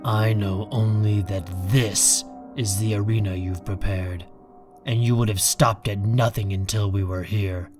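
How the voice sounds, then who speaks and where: A man's voice: lowish voice, close to an everyday voice. A man playing a proud, coldly angry man in an audio drama, speaking with cutting, sardonic control. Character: proud, defiant, coldly angry man facing his enemy.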